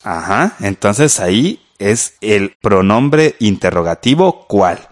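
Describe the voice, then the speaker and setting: Male radio teacher, low and very animated, patient explainer. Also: takes it slowly. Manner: patient, explanatory, addresses the listener directly. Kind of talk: scripted radio lesson.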